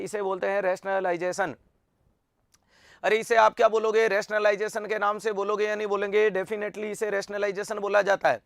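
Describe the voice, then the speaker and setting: A man teaching an online nursing exam lecture, energetic and quizzing students with repeated rhetorical questions. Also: high-pitched, creaky, clear, resonant tone, no echo, studio quality.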